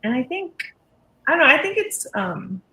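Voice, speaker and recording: A woman's voice: sits high, sing-song, normal speed, sharp tone. A woman on a book club panel chatting informally, with hesitant phrasing full of filler words. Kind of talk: casual chat.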